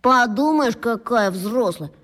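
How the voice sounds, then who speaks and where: A woman's voice: fairly high pitch, expressive, slow pace, fairly bright tone, exaggerated voice. A woman voicing a wistful, stubborn little boy who dreams of wonders, in an audiobook. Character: dreamy little boy, not yet in school. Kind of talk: audiobook dialogue.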